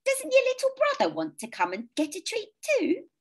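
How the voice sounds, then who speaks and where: A woman voicing a lonely, kindly old woman who talks in a gentle, fussy, chatty way. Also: very high voice, wildly swooping pitch, normal speed, voice pushed up, heavily acted.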